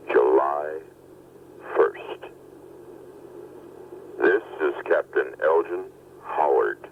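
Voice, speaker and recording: A man playing a solemn harbor patrol captain making a slow, formal announcement, heard on an old worn answering-machine tape. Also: extremely low pitch, gravelly, narrow, tinny audio, slight background noise, exaggerated voice.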